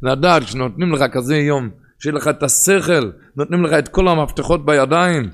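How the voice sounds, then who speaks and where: This man gives a sermon with an Ashkenazi Hebrew pronunciation, his voice sitting on the high side. He uses a sing-song study cadence that swings between loud and hushed.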